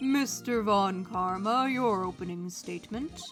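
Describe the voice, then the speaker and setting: A woman performs in a put-on character voice. Faint music plays in the background. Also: medium pitch for a woman, moderate pace. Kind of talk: formal courtroom.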